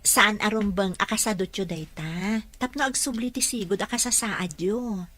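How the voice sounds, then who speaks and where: A woman's voice: mid-range voice, moderate pace, a bit bright, natural voice. A Filipino woman playing a patient caregiver in a radio drama, politely coaxing and encouraging. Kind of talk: Ilocano radio drama acting.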